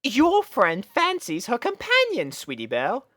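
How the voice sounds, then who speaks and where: A woman's voice: a little high, huge pitch swings, unhurried, fairly bright tone, no room sound, studio quality, pitched above the performer's own voice, full character voice. A woman voicing a coy, genteel older-sister pony, theatrical and knowing, in a storybook reading. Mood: coy, dramatic. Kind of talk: storybook character voice in a fan fiction reading.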